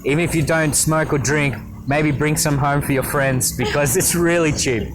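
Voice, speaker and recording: A man's voice: a little high, steady tone, normal speed. An Australian man chatting upbeat about travel tips in an interview, laughing easily. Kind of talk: casual interview answers. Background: background music.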